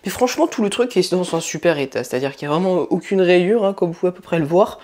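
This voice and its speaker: A woman's voice: lowish voice, fast talker, darkish tone. A woman hosting a casual tech unboxing vlog, rambling and chatty with many fillers and restarts, recorded indoors on a wireless mic. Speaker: tech video host.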